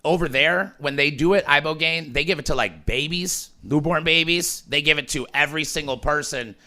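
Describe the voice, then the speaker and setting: A man's voice: on the high side, normal speed. A man hosting a podcast, chatting casually in a rambling way with lots of fillers. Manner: rambling, filler-heavy, animated. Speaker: podcast host. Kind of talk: casual conversation.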